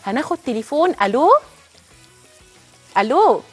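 A woman's voice: high-pitched, big pitch swings, unhurried, darkish tone, breathy edge, faint music behind. A woman with an Egyptian accent hosting a cooking show, chatting directly to viewers as she cooks. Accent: Egyptian Arabic. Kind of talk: cooking demonstration.

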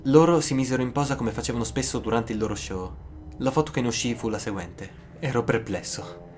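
A man narrating a scripted first-person horror story, with dramatic, suspenseful pauses. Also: medium pitch, darkish tone, slight background noise. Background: music.

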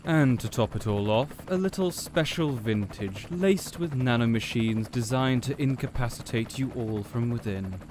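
A man voices a cold and condescending villain mastermind in an audio roleplay. He monologues slowly and theatrically at a middling pitch, sneering with smug control. Clear noise sits behind the voice. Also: lightly acted. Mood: smug, mocking.

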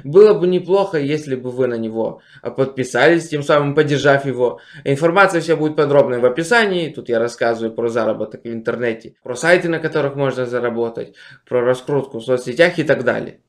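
A man's voice: mid-range voice, fast. A young man, a vlogger, talking slyly and provocatively on a webcam video chat from a small room. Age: young adult. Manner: sly, teasing, provocative. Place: small room lit blue indoors. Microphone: webcam video call.

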